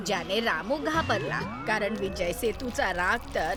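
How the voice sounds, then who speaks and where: A woman's voice: medium pitch, lively intonation, a little slow. A woman storyteller reading scripted narration for a children's moral tale. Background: music.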